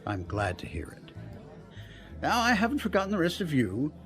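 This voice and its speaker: An actor playing a genteel older senator in an audio drama, courteous, polished and formal. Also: male voice, fairly high pitch, huge pitch swings, normal speed, fairly bright tone, soft background music. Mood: gracious. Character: genteel older male senator, gracious dinner host.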